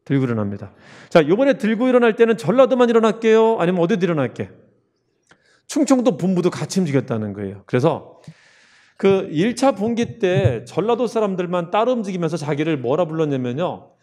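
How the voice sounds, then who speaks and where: Lively male history lecturer, warm and mellow. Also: sits high, brisk. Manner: lively, asks the class questions then answers them himself; casual, chatty with jokes to aid memory. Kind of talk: online exam-prep lecture.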